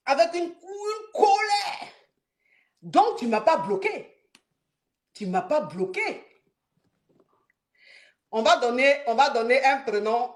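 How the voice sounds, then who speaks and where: A woman spins a dramatic tale for a live audience, circling back on her phrases and stretching out each moment. Her voice sits high and carries a storyteller's emphasis. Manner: animated, repetitive, dramatic retelling.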